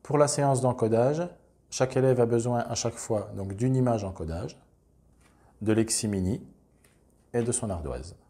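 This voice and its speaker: A man calmly explaining, step by step, how a classroom reading and spelling activity works. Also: lowish voice. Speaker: teacher explaining a reading method. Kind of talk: instructional demonstration.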